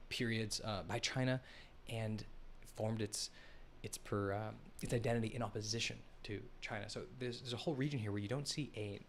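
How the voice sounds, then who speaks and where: Guy rambling on a live stream, lowish voice, keeps restarting, talks to chat, faint hiss. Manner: rambling, self-correcting, addresses the chat. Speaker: host of a live analysis stream. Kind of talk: live-streamed commentary over a map.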